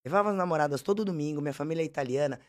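A woman with a Brazilian Portuguese accent, telling blunt, animated, slangy stories as a podcast guest. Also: low-pitched, very fast. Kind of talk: casual storytelling.

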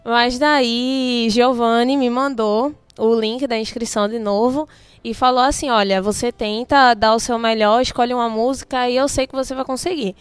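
A young woman guest in a casual interview, telling her story in an animated way and quoting her own thoughts. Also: a little high, moderate pace, clear, resonant tone, no room sound. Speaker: guest, youth delegate.

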